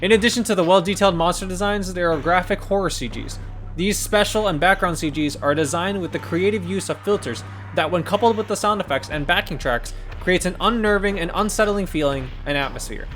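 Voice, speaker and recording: Guy with a pretty high voice doing scripted review voiceover, some music behind him. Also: a bit bright. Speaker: video game reviewer and host.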